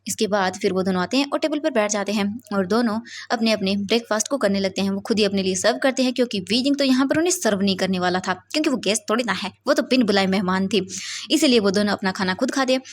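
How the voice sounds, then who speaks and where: A woman's voice: medium pitch, quick pace. A woman casually narrating a fan-fiction love story, mixing English words into her telling.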